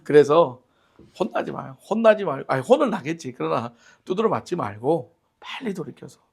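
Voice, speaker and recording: A male pastor leads a Bible study. He tells stories expressively, swinging between loud exclamations and near-whispers. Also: fairly high pitch, animated, moderate pace, creaky, breathy edge. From Gyeongsang region, Korea. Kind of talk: animated Bible-study teaching and prayer. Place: church library.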